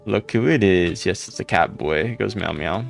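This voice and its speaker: A man with a deep voice chatting casually on a livestream, rambling and greeting viewers by name. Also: moderate pace, vocal fry, soft background music.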